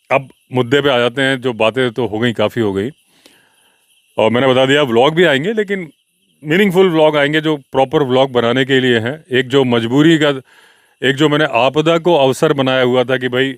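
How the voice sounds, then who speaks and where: A man's voice: medium pitch, no room sound, clean studio sound. A man hosting his own wildlife podcast, talking casually and explaining himself to his viewers. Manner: conversational, explaining and answering viewer comments in a mildly defensive tone. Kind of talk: casual solo podcast talk.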